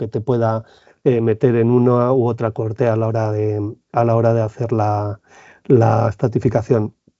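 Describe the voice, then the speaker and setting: A man speaks with a Basque accent. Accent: Basque Spanish accent, noticeable. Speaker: biotech startup CEO, physicist. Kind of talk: casual interview conversation. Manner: hesitant, many fillers and restarts.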